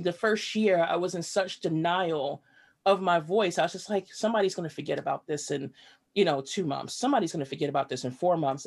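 A woman's voice: on the low side, a little mellow. A woman guest in an interview, a writer and activist, speaking earnestly and reflectively with frequent fillers. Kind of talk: conversational interview storytelling.

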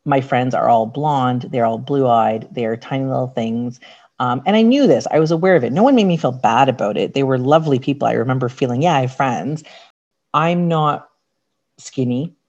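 A woman with a raspy, slightly deep voice, a podcast guest telling candid, reflective stories from her life in casual chat. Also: normal speed, a little mellow. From Canada. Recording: dull lo-fi sound.

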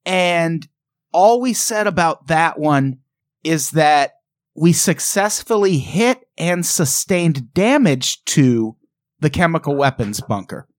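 A man's voice: fairly high pitch, lively intonation, takes it slowly, no room sound, studio quality. Wry, sarcastic man co-hosting a podcast. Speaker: podcast co-host. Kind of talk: casual comedic chat.

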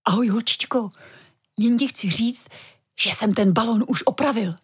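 A woman's voice: a little high, husky. A woman reading as a cheerful old grandpa. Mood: enthusiastic. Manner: warm and enthusiastic. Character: cheerful grandfather, older man, tinkerer.

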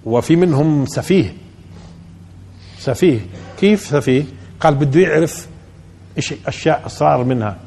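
A man's voice: fairly high pitch, moderate pace, gravelly, long pauses, a little mellow. A man with a Palestinian accent, a sheikh giving a colloquial religious lesson, talking conversationally and answering his own rhetorical questions. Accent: Palestinian Arabic. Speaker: sheikh teaching Quran commentary.

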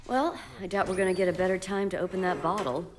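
A woman's voice: on the low side, fairly even intonation, fast, natural voice. A woman playing a tough, wry and loyal privateer in a science fiction audio drama, with dry, teasing delivery. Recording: music under the voice.

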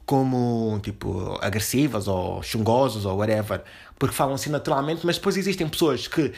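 A young man from Portugal, talking casually to his podcast listeners from home. His voice sits fairly high for a man. His speech is loose and slangy, full of fillers, restarts and asides. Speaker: podcast host. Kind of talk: casual opinion monologue. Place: home room.

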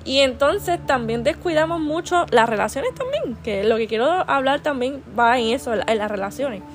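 Female podcast host, higher voice, affectionate and earnest devotional delivery, quiet music bed. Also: lively intonation, normal speed. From Puerto Rico. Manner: earnest and affectionate, with constant "¿verdad?" tags and restarts. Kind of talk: heartfelt devotional talk.

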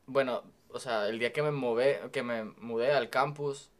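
A man's voice: medium pitch, fairly even intonation, normal speed. A man in his twenties with a Salvadoran accent, a student talking easily and reflectively as a podcast guest. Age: 20s. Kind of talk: casual podcast conversation.

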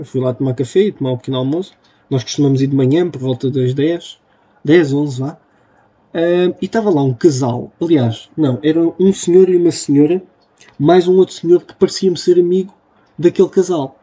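A man's voice: a little high, moderate pace, warm tone, breathy edge. A young man with a European Portuguese accent hosting a casual solo podcast, rambling and poking fun at himself. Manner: rambling, self-mocking, full of fillers. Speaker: podcast host. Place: home room at a computer. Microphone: computer mic.

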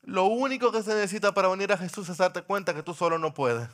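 Male pastor, sermon, high-pitched, sharp bright tone, impassioned, loud to hushed. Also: quick pace. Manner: impassioned, swings from loud cries to hushed pleading. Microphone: microphone.

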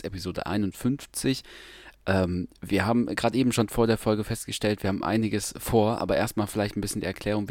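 A man co-hosting a podcast in casual chat, talking haltingly with lots of fillers and restarts. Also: fairly low pitch, darkish tone, dry recording. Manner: hesitant, many fillers and restarts. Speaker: podcast co-host.

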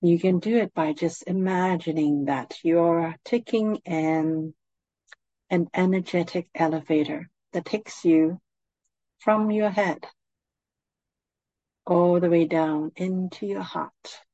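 Calm lady doing guided meditation, really slow and soothing, kinda low voice, bit muffled recording. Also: no room sound. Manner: calm, soothing, gently instructing.

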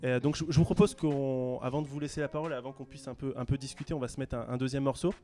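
A man hosting a casual radio chat show, relaxed and hesitant, with many fillers. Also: medium pitch, fast talker. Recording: music playing faintly behind.

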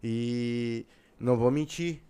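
A man's voice: medium pitch, takes it slowly, dark tone, a little hiss or hum. A man with a southern Brazilian gaúcho accent co-hosting a casual chat, earnest and friendly. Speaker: podcast co-host.

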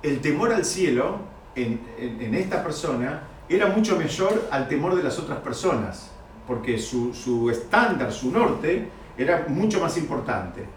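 A man teaching a Talmud story to students, animated and repeating key phrases. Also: fairly high pitch, a little slow, a little hiss or hum. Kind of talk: lecture to students. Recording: echoey room, mic far off.

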